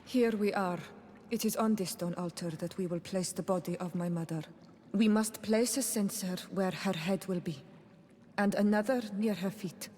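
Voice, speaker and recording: A woman's voice: mid-range voice, moderate pace, darkish tone, big-room sound, slight background noise, close to an everyday voice. An actress voicing a solemn, devoted young female tribal healer in a video game, with earnest, careful, slightly formal delivery. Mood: solemn, grateful.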